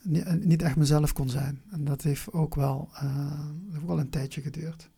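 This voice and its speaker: Husky, creaky, halting southern Dutch voice. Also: mid-range voice, fairly even intonation, warm tone. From Venlo, Limburg, Netherlands. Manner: halting, searching, repeats words. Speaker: interview guest. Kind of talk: personal interview, reflective.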